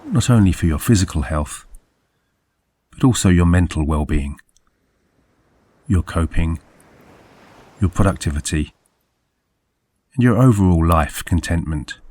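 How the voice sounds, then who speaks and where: A man narrating a scripted guided sleep meditation as a hypnosis guide, soothing and measured, with deliberate phrasing. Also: deep voice, lively intonation, darkish tone.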